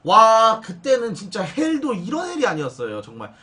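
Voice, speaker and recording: A high, bright male voice with big swings in pitch, chatting loudly with his livestream viewers. He jokes, rants, and keeps calling out to the audience in a sarcastic, lively way. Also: normal speed. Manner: loud, jokey, addresses viewers and donors as big brother; ranting, sarcastic asides. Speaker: livestream host. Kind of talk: casual livestream chat with viewers.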